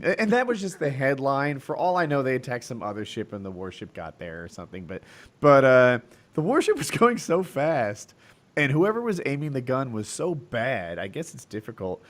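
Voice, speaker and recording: A man's voice: medium pitch, very animated, normal speed. Guy rambling on a podcast, voice jumps all over, lots of um and uh. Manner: rambling, hesitant, many restarts. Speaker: podcast co-host. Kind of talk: casual podcast banter.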